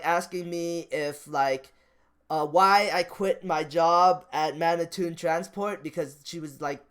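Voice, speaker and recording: A man's voice: sits high, a bit bright, clean tone. A man talking off the cuff like a vlogger about his views, rambling, repeating phrases and restarting his sentences. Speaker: stock market vlogger. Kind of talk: casual off-the-cuff vlog commentary.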